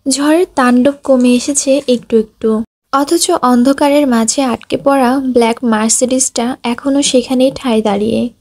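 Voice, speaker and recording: A woman reading a romance audiobook aloud in a soft, dramatic narration. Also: high voice, steady tone, moderate pace.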